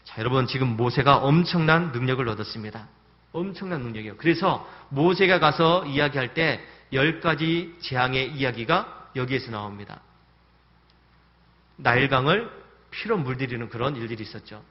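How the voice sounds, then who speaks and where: A man's voice: medium pitch, expressive, normal speed. A male pastor delivering a Sunday sermon, retelling scripture with emphatic repetition and acted-out quotes. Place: church sanctuary. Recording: dull, echoey church hall recording.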